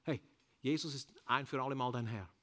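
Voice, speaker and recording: A man with a Swiss German accent preaching a sermon in a church, rising to loud calls and dropping to quiet endings, slipping in English phrases. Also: medium pitch, a little fast. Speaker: pastor. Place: church service.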